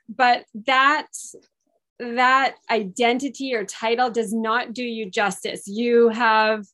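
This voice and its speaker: A woman's voice: a little high, a bit bright. A woman hosting a podcast interview, introducing her guest with friendly, self-deprecating asides. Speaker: podcast host, performance coach.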